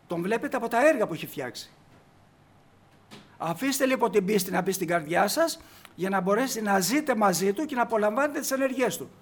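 A man's voice: high-pitched, lively intonation. A man preaching a sermon emphatically, putting rhetorical questions to the congregation.

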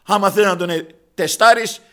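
A man's voice: sits high, sharp tone. A man preaching a sermon, telling a story and addressing his listeners as brothers, acting out the dialogue. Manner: acts out dialogue in quoted voices.

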